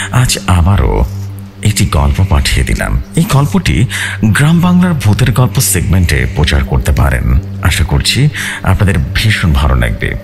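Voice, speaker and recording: A man hosts a horror story show in a very deep voice. His delivery is dramatic, with widely varying intonation. Music plays softly behind him. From Bangladesh. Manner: mixes English words into speech, dramatic. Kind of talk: radio-style show hosting and horror story narration.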